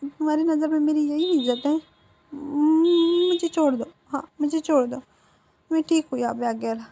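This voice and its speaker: A woman voicing a pouting, clingy young man who whines and reproaches in a soft storyteller's voice. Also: high-pitched, normal speed, vocal fry, pitched above the performer's own voice. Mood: tearful. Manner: whiny, reproachful.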